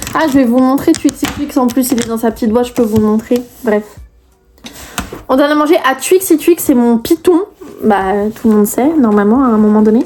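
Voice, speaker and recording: Noticeable background noise sits behind a woman speaking with a high pitch and an animated tone at a fairly quick pace. Her pitch varies in an ordinary way, and she leaves long, frequent pauses. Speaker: YouTuber, snake keeper. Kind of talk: casual vlog.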